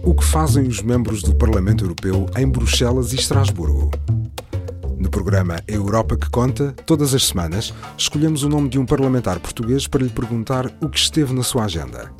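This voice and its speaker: A man presenting a news programme with a clear, even scripted read. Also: medium pitch, brisk. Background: faint music bed.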